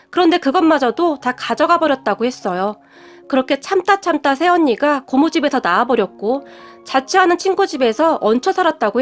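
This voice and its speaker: High-voiced woman narrating a story. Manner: even, reported-speech storytelling. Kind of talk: scripted narration of a reader's story. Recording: faint music behind.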